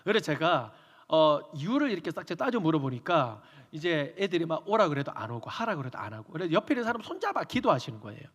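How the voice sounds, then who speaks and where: A man's voice: fairly high pitch, fast talker, breathy edge. A male pastor preaching a storytelling sermon in a church sanctuary, acting out the dialogue of the people he describes. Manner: animated, acts out dialogue. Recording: reverberant church hall.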